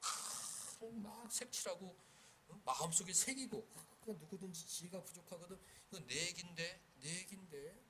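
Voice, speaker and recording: A man's voice: high-pitched, normal speed, background noise. A man preaching a sermon as pastor. He speaks with emphasis, repeats key phrases and acts out short prayers and dialogues.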